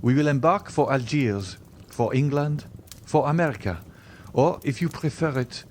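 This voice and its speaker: A man's voice: medium pitch, expressive, moderate pace, slight background noise, voice pushed up, natural voice. A man voicing a proud, desperate young lover, bitterly devoted, speaking with formal, earnest intensity in an audiobook. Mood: urgent, ardent. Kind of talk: dramatized audiobook reading of a classic novel.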